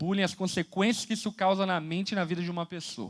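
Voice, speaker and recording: Animated in tone, a man with a high pitch speaks at a fairly quick pace in a very clean recording with a silent background. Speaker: pastor. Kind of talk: sermon.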